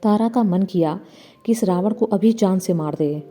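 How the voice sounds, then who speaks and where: A woman's voice: medium pitch, normal speed. A woman reading a story aloud, narrating and voicing the figures' dialogue with mild changes in tone. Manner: reads the dialogue of several figures with mild shifts. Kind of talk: scripted narration with light character voices. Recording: soft music bed behind the voice.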